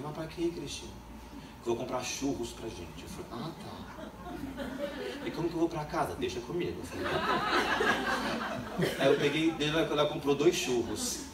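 A man's voice: medium pitch, background noise. A young adult man preaching a sermon, telling a funny childhood story and acting out the voices in it. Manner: humorous storytelling, acts out quoted voices. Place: church hall. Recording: echoey church hall, distant mic.

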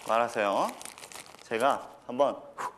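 A man on a comedy stage presenting a mock magic routine with deadpan, mock-serious asides. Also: mid-range voice, a little slow. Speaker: comedian doing a magic act. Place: TV studio stage with audience. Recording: stage audience and room noise.

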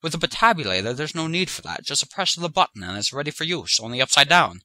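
A man playing an earnest, self-important crackpot inventor in a comedy audio sketch, defensively pitching his ideas. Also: sing-song, fast talker, sharp tone, exaggerated voice. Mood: eager pitching. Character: earnest, defensive crackpot inventor and ice cream truck driver.

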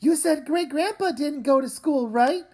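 A woman's voice: sits high, unhurried, warm tone. A woman voicing a stubborn, argumentative young girl, an older sister in a comic read-aloud.

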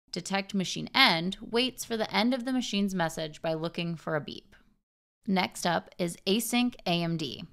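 A young woman presenting a tutorial, reading scripted technical narration in a measured, instructional way. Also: lowish voice, vocal fry, fairly bright tone.

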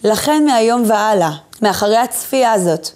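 Woman, somewhat high voice, motivational self-image lecture, coaching tone, guided breathing, speaks straight to the viewer. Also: animated. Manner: coaching, speaks directly to the viewer and gives gentle instructions.

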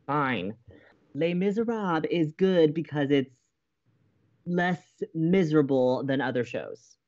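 A man's voice: fairly high pitch, lively intonation, takes it slowly, darkish tone, lo-fi sound. An actor playing a playful, mischievous young male college radio co-host, bantering in an audio drama. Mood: playful, teasing. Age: young adult. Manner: teasing, mischievous.

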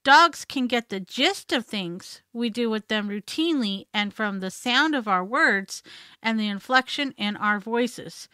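A podcast host narrates scripted tips, teaching as she goes and acting out commands with her voice. She sounds a little high, bright, forceful and clean. The recording is dry and close-miked in a studio.

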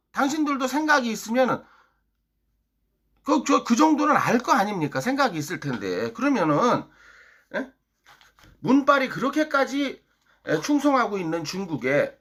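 A man from Chungcheong, South Korea, rants a political monologue to his viewers. His pitch swings up and down as he hectors and fires off one rhetorical question after another. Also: sharp tone. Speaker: political YouTuber.

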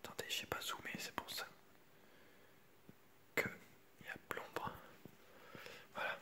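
For an ASMR video, a man unhurriedly reads a children's picture book in a soft, voiceless library whisper, now and then turning to viewers with informal asides.

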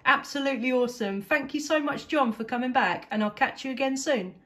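A woman's voice: high voice, brisk, a bit bright. A woman with an English accent chatting casually as a CB radio operator, enthusiastic and talkative. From England. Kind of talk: casual two-way radio chat.

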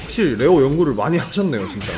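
A young man calls a fighting game match live, his pitch leaping around as he reacts to each hit and chats with the viewers. His voice sits a little high for a man, and faint game music plays behind him. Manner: excitable, chatty, jokes with viewers, quick reactions. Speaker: esports commentator.

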